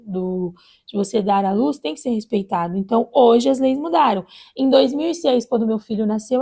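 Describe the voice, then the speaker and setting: Gravelly woman telling her life story. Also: a little high, warm tone. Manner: halting, many restarts and tag questions. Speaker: interviewee. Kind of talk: personal life testimony.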